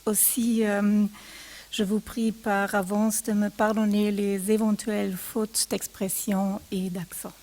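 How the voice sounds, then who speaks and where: Woman slow, mellow non-native French speaker. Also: mid-range voice, flat delivery. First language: not French. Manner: slow and careful, with hesitations. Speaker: museum provenance researcher giving a lecture. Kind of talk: formal academic lecture read aloud. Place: lecture hall seminar.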